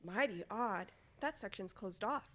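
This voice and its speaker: A woman's voice: medium pitch, lively intonation, unhurried, pushed and bright. A woman playing an anxious, folksy New England villager with urgent delivery in an old-time radio drama. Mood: curious, uneasy.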